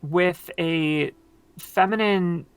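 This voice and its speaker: A woman with a very low voice, explaining at length in casual conversation with many fillers, her voice tired from long talking. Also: drawn-out words, clear, resonant tone, dry recording. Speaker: podcast guest.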